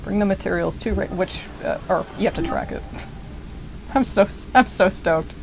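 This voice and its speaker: A woman's voice: medium pitch, normal speed, vocal fry, noisy background. Rambling swearing young woman streamer. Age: 20s. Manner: rambling, digressive, swears freely. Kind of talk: casual gameplay commentary.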